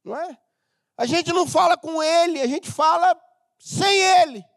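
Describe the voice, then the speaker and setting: A middle-aged Brazilian man preaching a humorous, animated sermon as pastor of a church, sometimes breaking into shouts. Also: very high-pitched, moderate pace, creaky, dry recording, studio quality. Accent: Brazilian Portuguese.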